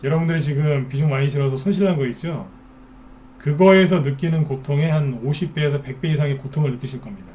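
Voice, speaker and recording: A man's voice: a little high, quick pace, warm tone, slight background noise. A man hosting a stock market broadcast, talking casually and firing off rhetorical questions, often mimicking worried investors. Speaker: stock market expert host.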